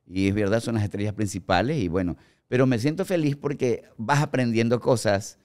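A man in his forties with an Ecuadorian accent, a guest actor telling animated stories in a podcast studio on a boom mic. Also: brisk. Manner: animated storyteller acting out quoted remarks. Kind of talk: casual podcast storytelling. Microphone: studio mic on boom arm, headphones.

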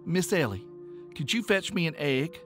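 A man voicing a kind countrywoman who speaks softly and gently to a frightened child. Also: fairly high pitch, lively intonation, moderate pace, faint music behind, voice pushed up. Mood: gentle, reassuring. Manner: soft, gentle, reassuring. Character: gentle kindly Appalachian countrywoman, middle-aged.

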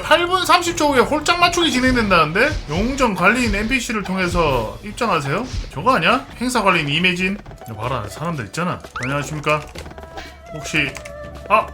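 A man in his thirties casually commentating a martial-arts online game as he plays, chatty and talking to himself. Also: a little high. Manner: chatty, muttering to himself, bursts into mock-archaic martial-arts role-play. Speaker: game streamer.

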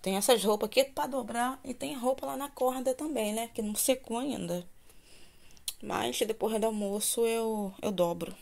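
This home vlogger speaks at normal speed in a fairly high, creaky, slightly mellow voice with a Brazilian Portuguese accent. She talks familiarly to viewers from her kitchen and yard, often seeking agreement, in a noisy handheld phone recording.

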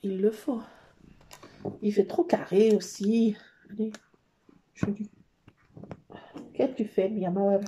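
A woman's voice: mid-range voice, fairly even intonation, takes it slowly, long pauses, warm tone, reverberant, a little hiss or hum. A woman chatting casually while doing a craft project, cooing and baby-talking to her cats and playfully scolding herself. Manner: playful, bickers with herself in a mock-annoyed voice. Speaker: crafting vlogger. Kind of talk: casual chat while making a collage.

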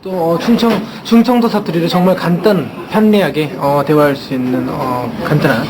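A man's voice: on the high side, steady tone, moderate pace, a little mellow, a little hiss or hum, poor audio. A man hosting a playful show, laughing and mimicking dialect phrases.

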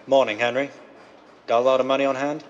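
A man playing a smooth but nervous crooked businessman in a 1930s style radio drama. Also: medium pitch, level tone, quick pace, slight background noise, lightly acted. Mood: confident. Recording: dull band-limited vintage-style radio sound.

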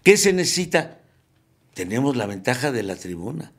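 A man giving a spiritual recovery talk, telling it as a lively story and repeating phrases for emphasis. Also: medium pitch, moderate pace, husky. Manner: lively storyteller who acts out the quotes he tells. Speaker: speaker at a recovery group meeting.

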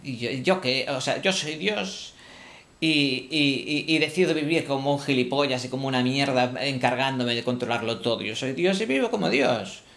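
A man's voice: mid-range voice, animated, normal speed, creaky, fairly bright tone, voice pushed down. A man playing a petulant, vain god. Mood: irritated. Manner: irritable, rambling, insulting. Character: petulant, vain male god, easily annoyed.

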